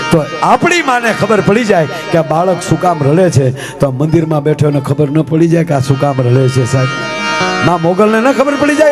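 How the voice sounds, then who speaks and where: A man telling comic folk stories on stage in a chatty way, asking the audience rhetorical questions and calling them "sir". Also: on the high side. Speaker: folk comedian and storyteller. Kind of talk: live stage comic storytelling.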